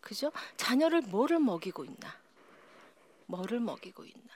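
A woman giving a lively psychology lecture to a live audience, sometimes dropping to a whisper. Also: a little high, normal speed, a little hiss or hum. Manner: animated, often drops to a whisper.

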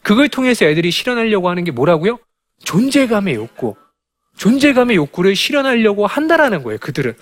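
A man giving a lecture to parents on raising children, animated and full of rhetorical questions. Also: sits high, fast. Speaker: parenting educator.

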